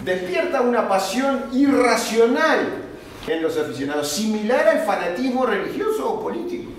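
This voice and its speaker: A man's voice: very high voice, big pitch swings, normal speed. A man teaching a literature workshop, reading notes aloud and breaking off into conversational asides and questioning tags to his class. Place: echoey classroom with students. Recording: echoey room, distant mic, faint noise.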